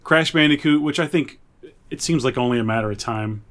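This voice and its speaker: A man's voice: medium pitch, fairly quick, fairly bright tone. A man hosting a podcast, chatting casually about games and films as he reads out and reacts to suggestions. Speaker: podcast host.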